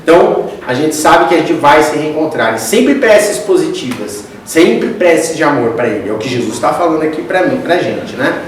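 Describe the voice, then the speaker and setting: Brazilian male lecturer, conversational, higher-pitched, distant in a very echoey hall. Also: expressive, normal speed, few pauses, a little hiss or hum. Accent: Brazilian Portuguese. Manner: conversational, addresses the audience as "gente". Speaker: spiritist lecturer. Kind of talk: religious lecture.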